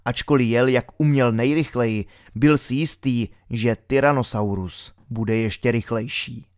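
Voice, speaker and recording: A male audiobook reader tells a thriller with steady, dramatic delivery. His voice sits at a middle pitch and is recorded close and dry, with no room sound. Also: no room sound. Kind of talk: audiobook narration.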